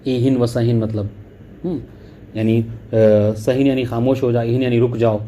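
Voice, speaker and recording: Reading Arabic text slowly and then explaining it at a quicker clip, a male grammar teacher keeps checking with his class through "clear?" and "okay." His medium-pitched voice is dark and mellow with a flat delivery, and faint background noise can be heard.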